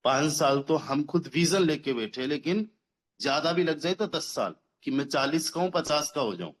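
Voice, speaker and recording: A man in his thirties giving a motivational business pitch as a team leader, persuasive, repeating phrases for emphasis and mixing English words into his speech. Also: lively intonation, moderate pace. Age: 30s. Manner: mixes English words into Hindi. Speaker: network marketing team leader.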